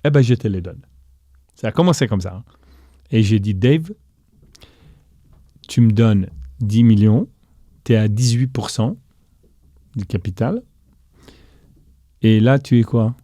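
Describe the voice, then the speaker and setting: A middle-aged man recounts a business deal as an interview guest, bringing it to life and voicing the other people in the story. His voice is mellow and warm. The recording is dry and close. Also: lowish voice, a little slow, long pauses, dry recording. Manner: animated storyteller, voices quoted dialogue. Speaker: guest entrepreneur.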